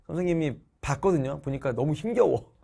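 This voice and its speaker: A man's voice: on the high side, animated, brisk, gravelly, dark tone, breathy edge. A middle-aged man teaching social studies online, chatting casually to his students while he gets over a cold. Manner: chatty, speaks to viewers as students. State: recovering from a cold.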